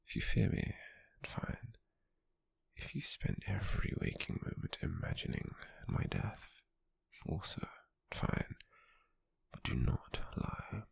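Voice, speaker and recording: In an ASMR roleplay, a British man with a deep voice plays a cold, possessive male slave merchant, a controlling captor who is nonetheless intrigued. Heavily acted, he speaks slowly, formally and condescendingly in a breathy, gravelly half-whisper, sounding cold and amused. The close microphone gives dry sound with no room.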